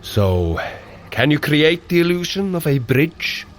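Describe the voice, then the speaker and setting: An actor playing a hearty, bumbling god of thunder in an audio drama, speaking in grand, archaic heroic phrases. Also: male voice, a little high, sing-song, slow, a little hiss or hum. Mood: planning. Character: boisterous, hearty god of thunder, bumbling good-natured brother. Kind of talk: audio drama fitness adventure.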